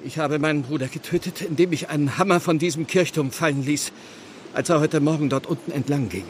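An actor playing an anguished village clergyman burdened with guilt, speaking gravely and earnestly in a radio play. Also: on the high side, brisk, slight background noise, natural voice. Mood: resolved. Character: anguished, guilt-ridden English village clergyman confessing murder. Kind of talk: German radio play acting.

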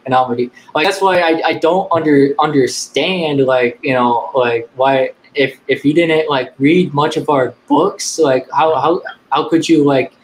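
A man's voice: a little high, low-quality recording. A young man with a slightly raised voice argues his side over a laptop webcam call. He stumbles through restarts and keeps dropping "like" between words. A faint hiss of noise sits behind him. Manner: halting, full of "like" and repeated words. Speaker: debate guest. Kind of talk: casual debate on a video call. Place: small room indoors.

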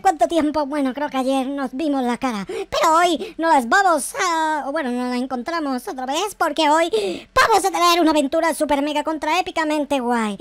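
A gaming host with a high cartoonish voice, doing playful, exclamatory Minecraft roleplay with swearing and bits of English. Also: fairly bright tone, dry recording. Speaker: YouTube gaming host playing a roleplay character. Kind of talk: improvised Minecraft roleplay commentary.

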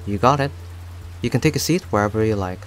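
Man voicing a friendly barista for roleplay audio: talkative, attentive, lively intonation, music and rain underneath. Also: on the low side, quick pace, natural voice. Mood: friendly, chatty. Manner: chatty, rambling, gently attentive. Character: friendly, talkative young male cafe owner and barista. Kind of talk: scripted roleplay audio addressed to the listener. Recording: soft music and rain behind. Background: music and rain sounds.

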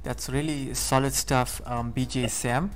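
A man's voice: medium pitch, fairly even intonation, measured pace, faint music behind. A man hosting a radio interview, putting questions to his guest.

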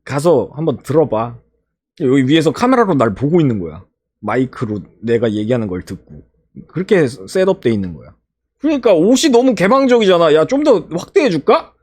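A man streamer giving a casual vlog recap over his photos, animated and laughing often, piling up fillers and exclamations. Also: fairly high pitch, a little fast, slightly rough.

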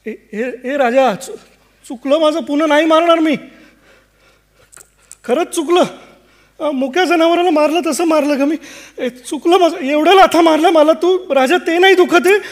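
A man reading the part of a remorseful father in a staged play, speaking in halting, broken phrases. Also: very high voice, big-room sound. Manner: halting, guilt-ridden, broken speech. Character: remorseful middle-aged father who beat his son.

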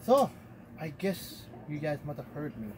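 A talking black cat, aloof and a little grand, put on by a game master. He speaks low and mock-solemn, rising and falling in a lively way. Faint ambience sits behind him. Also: unhurried, background noise. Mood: smug.

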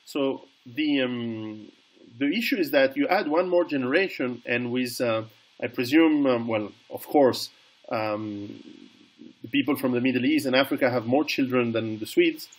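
Middle-aged man with a husky voice. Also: medium pitch, rough recording. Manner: halting, with many restarts. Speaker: interviewer. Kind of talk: interview questions.

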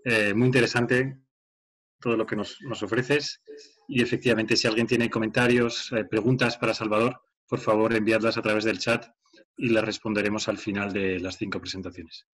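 A man's voice: on the low side, little pitch movement, moderate pace, a bit bright, slightly rough. A man moderating a webinar, courteously introducing speakers.

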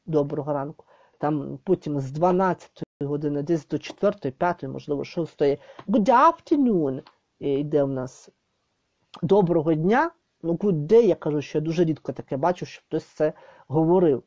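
Lively woman tutoring in a lo-fi recording. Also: low-pitched, no echo. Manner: repeats example phrases slowly and translates them. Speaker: English tutor. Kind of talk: casual recorded lesson. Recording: dull lo-fi dry recording.

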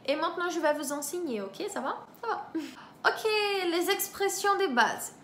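High-voiced woman teaching casually. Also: animated, normal speed, a bit bright, reverberant, slight background noise. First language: Portuguese. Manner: chatty, laughs often, reads from a list and comments. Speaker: language teacher, YouTuber.

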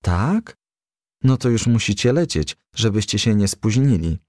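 A man voicing a kindly, ailing, pious female firefly in a children's storybook, gently consoling. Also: on the low side, animated, measured pace, dry recording, clean studio sound. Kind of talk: children's storybook character reading.

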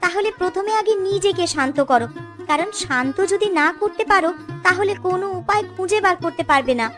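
A woman voices a forgiving cartoon village wife. Her voice is extremely high and her manner soothing and reassuring, with music behind her. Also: brisk. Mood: reassuring, gentle. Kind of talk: melodramatic cartoon dialogue.

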